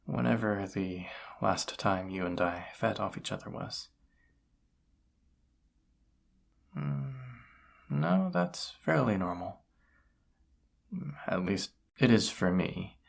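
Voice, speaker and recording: Casting: male actor as a weary, awkward incubus roommate for audio roleplay, very low gravelly voice, hesitant delivery. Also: animated, exaggerated voice. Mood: thoughtful, casual. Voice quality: husky, gravelly. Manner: hesitant, halting, soft-spoken, awkward. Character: tired, flustered male incubus roommate confessing feelings. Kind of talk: roleplay audio drama, intimate one-sided dialogue.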